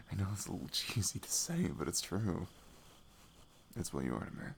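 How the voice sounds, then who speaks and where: A man playing a sweet, shyly affectionate best friend in an intimate ASMR roleplay, speaking softly and haltingly, often near a whisper. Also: deep voice, big pitch swings, a little hiss or hum, exaggerated voice. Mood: tender, earnest. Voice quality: soft, breathy, often dropping to a whisper. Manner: hesitant, halting, chatty and tender. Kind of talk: intimate ASMR roleplay, soft improvised-sounding talk.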